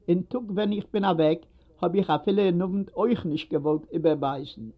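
Man as a ragged worn stranger, calm, steady, a bit high, muffled lo-fi. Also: normal speed. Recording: dull lo-fi recording.

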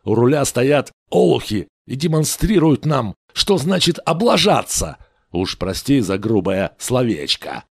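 A man's voice: medium pitch, very animated, a little slow, husky, dry recording, studio quality, exaggerated voice. A man voicing an argumentative, sardonic old Jewish man in a storybook reading.

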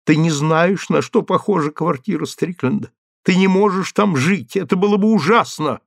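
A man's voice: a little high, moderate pace, vocal fry, dry recording, clean studio sound, voice pushed up. A man voicing a desperate, tearful husband who pleads with his wife in a rising, imploring voice. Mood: urgent. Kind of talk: audiobook character reading.

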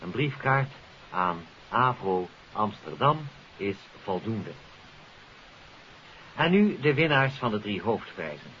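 Male radio presenter, slightly low voice, courteous scripted address, formal phrasing, hissy old broadcast recording. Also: pushed and bright, lo-fi sound. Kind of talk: scripted 1950s radio announcement, addressing listeners.

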